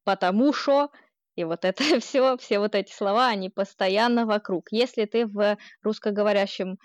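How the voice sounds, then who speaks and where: A woman's voice: mid-range voice, moderate pace, clear, resonant tone, no room sound. A woman from Ukraine with a Ukrainian accent, chatting as a guest and laughing often as she talks. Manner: laughs often while speaking, warm and chatty. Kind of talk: casual conversational interview.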